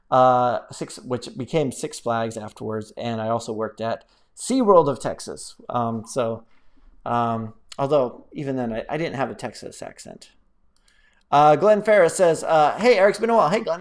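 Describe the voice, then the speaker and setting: A man hosting a casual live stream, chatting in a rambling, playful, animated way as he reads out and answers viewer comments. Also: medium pitch. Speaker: live-stream host, app developer.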